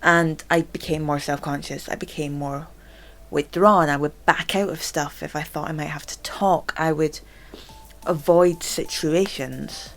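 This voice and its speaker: Low-voiced woman who stammers. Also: steady tone, measured pace. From Scotland. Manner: stammers, with repeated words and fillers. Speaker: channel host. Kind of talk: casual vlog chat.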